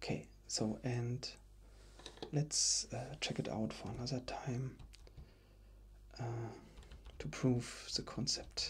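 Soft-spoken delivery at a very slow pace, with long, frequent pauses. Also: man. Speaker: ASMR creator teaching math. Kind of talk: ASMR math tutorial. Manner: soft-spoken, relaxing. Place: home room.

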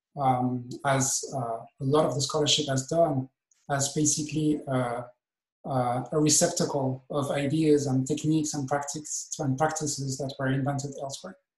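This voice sounds somewhat breathy. Its intonation stays monotone and flat. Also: man, fairly high pitch for a man, moderate pace. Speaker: professor. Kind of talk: video call interview. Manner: halting, many fillers.

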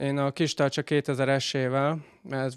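The delivery is monotone and flat in intonation, moving at a fairly slow pace. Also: man, quiet background. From Kistarcsa, Pest county, Hungary; Hungary. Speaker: former judoka. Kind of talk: interview. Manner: hesitant. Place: office. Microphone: handheld.

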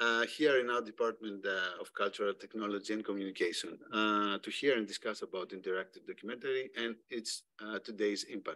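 A man with a Greek accent, bright and sharp in tone, medium in pitch, fairly quick, with fairly even intonation over a quiet background. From Greece. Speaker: university lecturer. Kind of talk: speaker introduction. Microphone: video call.

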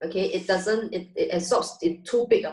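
A woman talks at a moderate pace with fairly even intonation. Room echo is audible over a quiet background. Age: 40s. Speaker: beauty product trainer. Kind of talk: product workshop presentation. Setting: video call. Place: home room. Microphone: video call.

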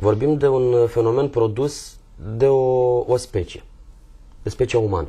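A man with a dark, mellow tone and medium pitch speaks fairly slowly and somewhat breathily, with long, frequent pauses and very even loudness. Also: fairly even intonation. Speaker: magazine editor. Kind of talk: educational discussion. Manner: explanatory.

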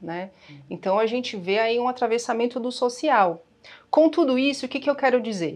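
Pitched high, a woman speaks with lively intonation at a moderate pace. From São Paulo, Brazil. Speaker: psychologist and author. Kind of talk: interview answers. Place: studio.

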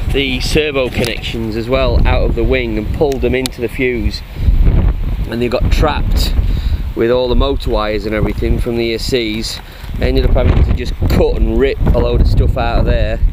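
The speech moves at a moderate pace, dry with no echo, over loud background noise. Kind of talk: casual vlog chat. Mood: relaxed, slightly amused. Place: open country. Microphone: phone near.

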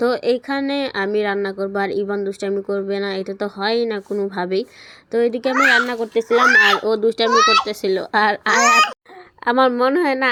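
A woman's fairly high voice varies in pitch in an ordinary way over noticeable background noise. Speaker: home vlogger. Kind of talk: vlog voiceover narration. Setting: at home.

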